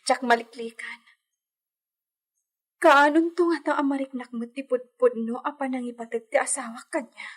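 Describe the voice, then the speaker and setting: A woman playing a young pregnant lady of a villa, gentle and anxious, asking worried questions. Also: high-pitched, fairly even intonation, normal speed, husky. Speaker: mistress of the villa. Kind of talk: amateur audio drama acting.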